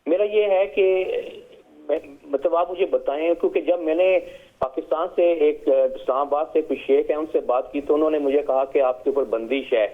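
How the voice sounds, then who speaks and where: A middle-aged man from Pakistan, calling in to a show and speaking hesitantly with many fillers and English words. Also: a little high. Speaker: caller. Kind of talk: phone-in call to a TV show. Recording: tinny phone line.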